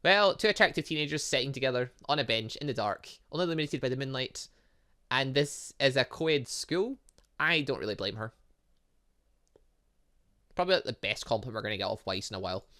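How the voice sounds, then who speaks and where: A man's voice: mid-range voice, animated, brisk, bright, forceful tone. A man reading visual novel dialogue aloud as a gaming host, breaking off into casual asides and exclamations.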